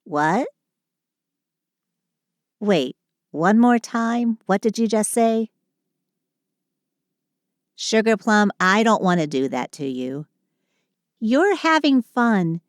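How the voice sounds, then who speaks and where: A woman's voice: medium pitch, sing-song, slow pace, long pauses, no echo, studio quality. A woman playing a short, sulky but affectionate Christmas elf in an intimate audio roleplay, with dramatic sighing complaints and fond endearments. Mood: caring, reluctant.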